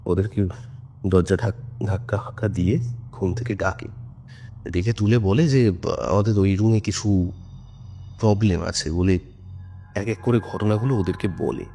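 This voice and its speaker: A man's voice: sits low, unhurried, creaky, long pauses, warm tone. Man telling a suspenseful story over music. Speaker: storyteller on a ghost story podcast. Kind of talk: informal conversational storytelling. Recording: music under the voice. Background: background music.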